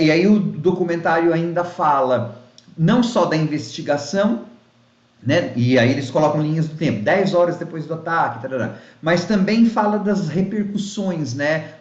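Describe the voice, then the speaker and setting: A YouTube film reviewer with a fairly high, darkish-toned voice gives a casual spoken review of a documentary, rambling with lots of fillers and restarts. The sound is dull and lo-fi, recorded in an echoey room.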